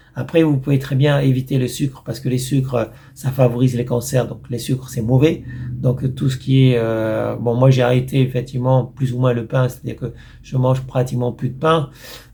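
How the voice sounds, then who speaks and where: A man's monotone, flat intonation comes through noticeable background noise. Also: medium pitch for a man, moderate pace. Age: 60s. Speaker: video blogger. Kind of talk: casual reaction commentary. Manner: halting, many hesitations.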